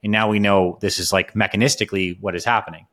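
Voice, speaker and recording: A man's voice: lowish voice, steady tone, quick pace, a bit bright. A man hosting a podcast who asks long, thoughtful questions, often padding them with "like". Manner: thoughtful, musing questions with "like" fillers. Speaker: podcast host. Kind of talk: casual podcast interview.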